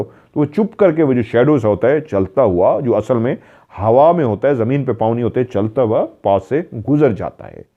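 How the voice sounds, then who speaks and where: A man narrating a paranormal story as a retelling, mimicking the voices of the people in it by raising his voice. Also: mid-range voice. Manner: dramatic retelling, mimicking calls in a raised voice. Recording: dull lo-fi sound.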